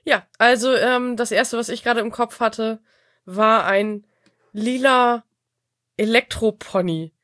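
A woman's voice: on the high side, steady tone, slow pace, a bit bright, dry recording, clean studio sound. A woman with a cold, chatting casually on a podcast, rambling and laughing often. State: has a cold. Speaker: podcast guest. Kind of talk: casual chat.

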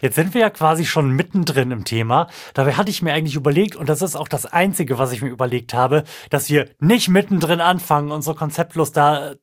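A woman's voice: low-pitched, brisk, few pauses, dry recording, clean studio sound. A woman hosting a casual podcast chat, leading the talk in a playful way. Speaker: podcast host.

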